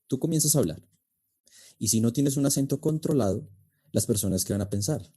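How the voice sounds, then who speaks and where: A man's voice: medium pitch, lively intonation, brisk, dark tone, slightly rough. A man speaking as a podcast guest and speech coach, explaining in an emphatic way with rhetorical questions. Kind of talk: podcast interview.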